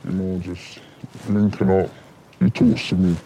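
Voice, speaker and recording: Man with a disguised deep voice. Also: measured pace, creaky, dark tone, slight background noise, poor audio. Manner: cocky, smug street talk. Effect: disguised voice, pitched down deep. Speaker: anonymous interviewee. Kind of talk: documentary interview.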